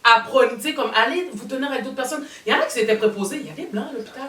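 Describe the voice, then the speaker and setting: A woman hosting a casual panel chat, talking in animated, rambling bursts. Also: fairly high pitch, rapid-fire. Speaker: talk show host. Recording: roomy studio sound, mic at a distance.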